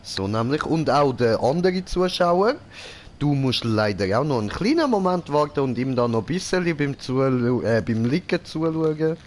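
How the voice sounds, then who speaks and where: Joking Swiss German let's play host. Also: male voice, medium pitch, very animated, moderate pace. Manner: joking, slangy, talks to the game character. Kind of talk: casual gameplay commentary.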